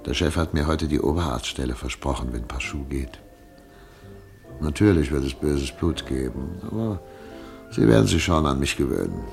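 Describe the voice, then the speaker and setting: An actor playing a hopeful, earnest middle-aged exiled doctor and husband in a radio play, speaking in a measured way. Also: male voice, a bass voice, animated, gravelly, darkish tone, faint music behind, heavily acted. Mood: earnest, optimistic.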